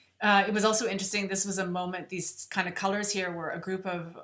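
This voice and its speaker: A woman speaks at a very fast pace with a Canadian accent. Her tone is bright and sharp. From Canada. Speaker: visual artist. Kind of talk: lecture. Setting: artist's studio. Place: home room.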